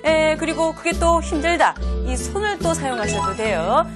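Comic skit: woman as a bubbly dentist, high and sing-song, playfully overdone. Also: lively intonation, moderate pace, over music. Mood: reassuring. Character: chatty, upbeat dentist soothing a patient. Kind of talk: comic skit in a lesson video.

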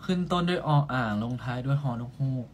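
A young man hosts a casual live stream, reading viewer comments one after another and answering them with easy, teasing banter. His voice sits at an ordinary middle pitch, and a faint hum of ambience runs underneath. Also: brisk.

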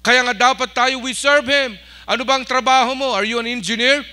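High, sharp-voiced Filipino pastor. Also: male voice, fairly even intonation, normal speed, smooth. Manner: switches between Tagalog and English, rousing the congregation. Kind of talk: lively sermon.

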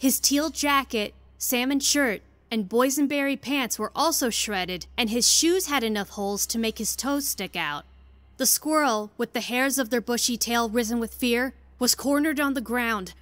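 A woman's voice: on the high side, a little slow, fairly bright tone, dry recording. A woman reading scripted narration for an audio drama as the storyteller. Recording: clear background noise.

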